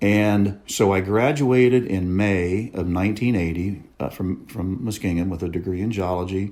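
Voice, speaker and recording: Speaking with an American accent, a man with a fairly low pitch and a dark, mellow tone keeps a moderate pace, ordinary pitch variation and hardly any pauses. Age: 60s. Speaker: oil and gas geologist and operator. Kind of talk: radio interview.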